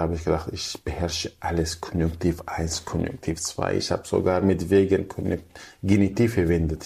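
As a guest in a relaxed interview, a young man from Syria speaks fluent but non-native German, frequently starting sentences over and performing the voices of people he quotes. He has a low, dark voice with vocal fry.

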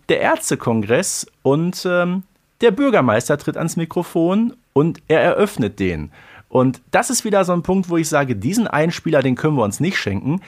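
A man co-hosting a podcast, discussing an audio drama episode in a lively, enthusiastic way. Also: fairly high pitch. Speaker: podcast co-host. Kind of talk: casual chat about an audio drama episode.

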